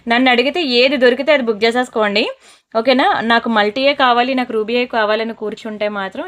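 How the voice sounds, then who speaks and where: A woman selling jewellery in a brisk, persuasive sales pitch, slipping into scolding asides. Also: a bit bright. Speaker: jewellery seller.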